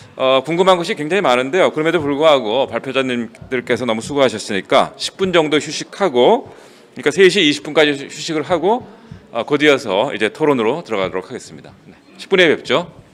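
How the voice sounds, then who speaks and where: A man's fairly high voice at a very fast pace, with lively intonation, big swings in loudness and noticeable background noise. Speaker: professor and seminar moderator. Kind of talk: moderating a seminar. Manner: halting.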